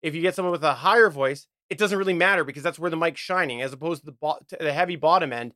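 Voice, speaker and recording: A man's voice: fairly high pitch, racing, sharp tone, no echo, clean studio sound. A man co-hosting a podcast, chatting casually and explaining things in a rambling way. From Canada. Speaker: podcast co-host. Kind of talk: casual chat about audio gear.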